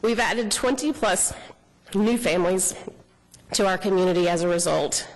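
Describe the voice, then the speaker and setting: A man's voice: high voice, normal speed, rough recording. Man resident at council podium, reading formal remarks, voice a little quivery. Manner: earnest, formal, slightly shaky. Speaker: public commenter, neighborhood resident. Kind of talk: prepared public comment. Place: city council chamber.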